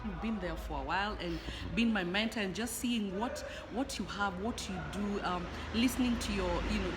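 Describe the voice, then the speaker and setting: A woman from Kenya with a fairly low voice, speaking earnestly and steadily and repeating words now and then. Clear background noise from a hotel lobby sits behind her. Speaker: network marketing leader, guest. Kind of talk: interview answer.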